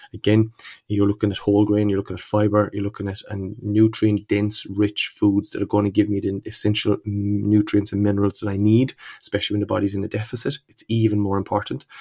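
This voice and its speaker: In a Kerry accent, a man speaks at a fairly quick pace with a fairly low pitch, a dark, mellow tone and monotone, flat intonation, the sound dry and close with no echo. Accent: Irish (Kerry). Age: 40s. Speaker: bodybuilder and fitness coach. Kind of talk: solo podcast monologue. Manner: halting, many fillers.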